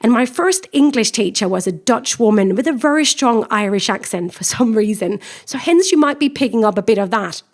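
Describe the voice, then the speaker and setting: A woman in her forties from Denmark with a Danish accent, a career coach hosting her own podcast and talking straight to the listener in a lively, encouraging way. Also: on the high side, brisk, few pauses. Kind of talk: solo podcast monologue.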